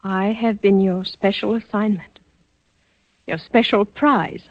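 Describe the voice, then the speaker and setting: A woman's voice: medium pitch, steady tone, slow pace, no echo. A woman playing a frightened, manipulated young woman in a 1940s radio drama, her voice breathless and pleading. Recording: dry, dull old radio broadcast with faint music.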